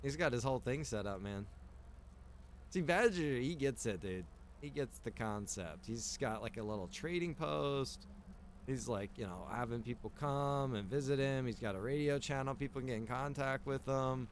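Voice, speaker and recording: A man's voice: mid-range voice, moderate pace, slight background noise. A man chatting casually while roleplaying in a game, with a laid-back, rambling, agreeable way of talking. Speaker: streamer, roleplay gamer. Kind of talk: casual in-character roleplay chat while gaming.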